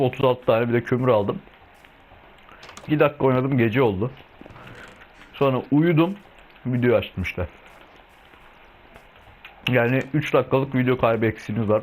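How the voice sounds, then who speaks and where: A man's voice: medium pitch, slight background noise, rough recording. A young man hosting a casual gameplay video, rambling and swearing freely as he eats while he talks. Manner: chatty and rambling, munching food while talking, swears freely. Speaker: gaming video host.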